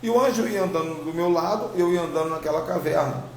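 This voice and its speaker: A Brazilian apostle and religious teacher shares his spiritual testimony with online followers, informal and emphatic, returning again and again to his phrases. His voice runs quick and a little mellow, slightly high for a man, with a gravelly creak and a mild tongue-tie. The echoey room carries faint background noise.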